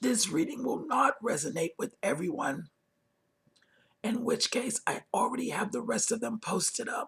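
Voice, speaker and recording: At a moderate pace, a woman with a fairly high pitch and vocal fry swings her pitch very widely. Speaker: tarot reader. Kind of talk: tarot reading.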